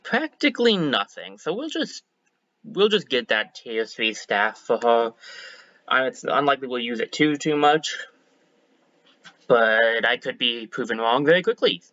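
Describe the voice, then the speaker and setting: Casual male game streamer, slightly hoarse, bright tense tone, thinks out loud; dry, dull home mic. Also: medium pitch, sing-song, a little slow, dry recording. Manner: chatty, self-correcting, thinks aloud. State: a bit hoarse. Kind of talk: casual let's-play commentary.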